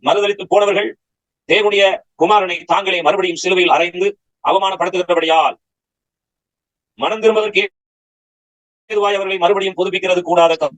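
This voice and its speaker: Heard through poor recording quality, a man whose voice is high and slightly bright delivers a Bible study sermon. Rhetorical questions come rapidly, and he presses each point with strong exhortation.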